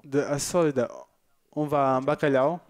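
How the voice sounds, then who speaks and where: A man's voice: mid-range voice, fairly even intonation, measured pace. A man presenting a church TV program, reading out viewer messages in a chatty, joking way with loose asides. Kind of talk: casual broadcast chat reading viewer messages.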